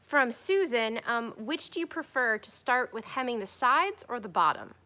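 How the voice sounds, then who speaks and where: A woman's voice: fairly high pitch, lively intonation, moderate pace, pushed and bright. A woman off camera reading viewer questions aloud in a casual live Q&A. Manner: reads chat questions aloud, conversational.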